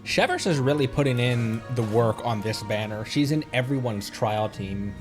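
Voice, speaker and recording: A man with a mid-range voice speaks at a moderate pace. He's livestreaming a game, offering easygoing, wandering commentary as he thinks out loud and keeps questioning himself, with video game music in the background.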